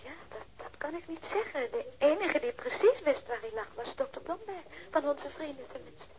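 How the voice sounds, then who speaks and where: A woman's voice: high-pitched, animated, normal speed, a little mellow. An actress playing a recently widowed woman in a radio play, subdued and polite, explaining things with some hesitation. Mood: subdued, cooperative. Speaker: radio drama actor. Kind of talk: radio play acting, dialogue. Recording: dull band-limited radio drama audio.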